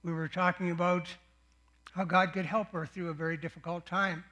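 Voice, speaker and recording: Older guy preaching, high voice, earnest and slow, storytelling from counseling days. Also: little pitch movement. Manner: earnest, unhurried storytelling with soft-spoken prayer. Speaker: pastor. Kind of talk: sermon.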